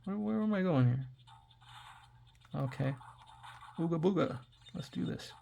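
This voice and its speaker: A raspy-voiced man in his forties, hoarse from throat trouble, rambling casually to his viewers while he plays retro games. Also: fairly high pitch, expressive, measured pace, dark tone, slight background noise. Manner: rambling, chatty, talks to viewers while playing. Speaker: tech reviewer playing retro games. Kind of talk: casual gameplay commentary.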